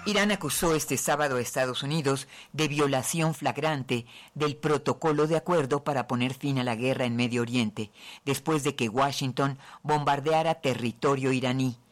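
A man reading the news as a radio anchor, in a measured, formal delivery. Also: medium pitch, soft background music.

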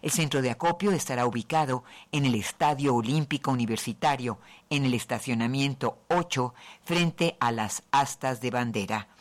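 A man reading the news as a radio anchor, in a measured, formal delivery. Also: medium pitch.

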